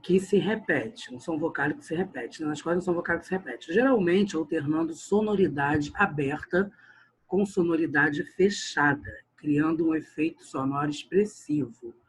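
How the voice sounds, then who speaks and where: A man's voice: a little high, normal speed, slightly rough, rough recording. A male grammar teacher, giving an online lesson and often calling out to his class while he stretches words for emphasis. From Brazil.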